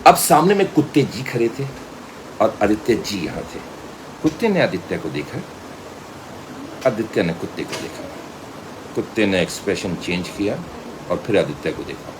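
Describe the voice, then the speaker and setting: A man's voice: on the low side, big pitch swings, moderate pace, long pauses, background noise. An Indian man giving a theatrical voice-training lesson as a trainer, switching between Hindi and English and telling stories to demonstrate. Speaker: media school voice trainer.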